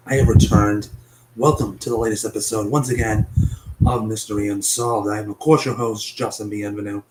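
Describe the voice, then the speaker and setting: A man's voice: on the low side, fairly even intonation, brisk, noisy background. Chatty man hosting with a cough. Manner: chatty, swears casually, stumbles over names. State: has a cough, voice partly lost. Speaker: host. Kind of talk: casual web show narration.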